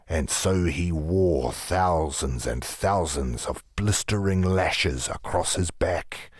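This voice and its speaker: An actor playing a solemn tribal storyteller in a video game, recounting myths of gods in a grave, deliberate, gravelly voice. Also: male voice, low-pitched, darkish tone, no room sound, studio quality, full character voice. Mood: grave, ominous. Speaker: lore narrator. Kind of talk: slow mythic storytelling.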